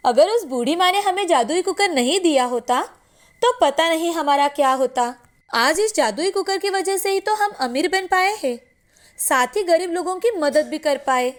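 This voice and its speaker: A woman's voice: very high-pitched, animated, normal speed. A woman playing an eager, devoted cartoon wife. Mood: grateful. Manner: eager, affectionate. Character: devoted, emotional adult wife.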